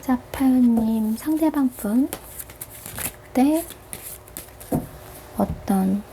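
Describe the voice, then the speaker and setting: A woman hosting a tarot reading, speaking gently and softly to viewers, with pauses as she gathers her phrases. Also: on the high side, expressive, creaky, noisy background. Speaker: tarot reader, channel host. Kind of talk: soft-spoken tarot reading addressed to viewers.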